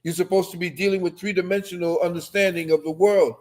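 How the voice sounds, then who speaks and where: Over a webcam on a casual video call, an older co-host raised in Trinidad tells stories and lectures with conviction, emphatic throughout. His male voice is high-pitched, quick and slightly mellow, with fairly even intonation.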